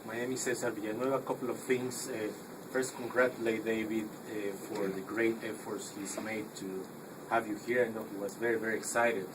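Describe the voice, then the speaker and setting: A man's voice: on the low side, little pitch movement, a little fast. A man making informal, friendly remarks from the audience at a public talk. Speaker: audience participant. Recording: distant mic, air conditioning noise.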